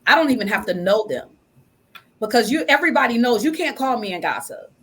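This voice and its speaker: A woman's voice: fairly high pitch, animated, fairly quick, fairly bright tone, breathy edge. A woman speaking emphatically as a guest in a conversational interview, often repeating phrases for emphasis. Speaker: guest from a stage play production.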